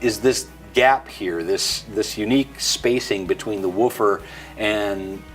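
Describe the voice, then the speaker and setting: A man's voice: lowish voice, slow, faint music behind. A man presenting a product tutorial in a conversational way, as the host.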